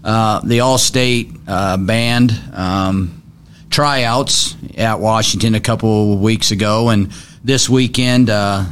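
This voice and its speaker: A man's voice: on the low side, steady tone, takes it slowly, fairly bright tone, slight background noise. Easygoing male co-host. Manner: easygoing, matter-of-fact, many fillers. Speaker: co-host, school district representative. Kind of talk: casual local radio chat.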